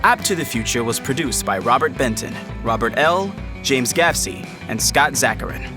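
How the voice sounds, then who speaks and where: A man with a medium-pitched voice reads scripted story narration for an audio drama. Guitar music plays clearly behind him. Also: expressive, moderate pace.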